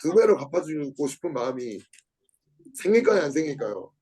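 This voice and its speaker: Very animated and brisk, this husky-voiced Bible study lecturer reads from a book and adds his own commentary, returning to key words and quizzing his audience. Quotes get acted out with sudden bursts of pitch and loudness, and the audio is poor.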